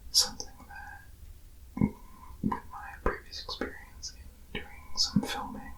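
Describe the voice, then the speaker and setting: Over noticeable background noise, a man speaks very slowly in an extremely high pitch. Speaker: ASMR creator. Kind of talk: soft-spoken ASMR ramble to camera. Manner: whispered, soft-spoken.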